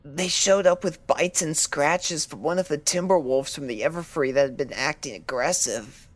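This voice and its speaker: A woman's voice: low voice, moderate pace. A woman voicing a timid, frightened young pony, speaking hesitantly with stammers and apologies in an audio story. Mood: dazed, meek. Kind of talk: dramatic audio story acting.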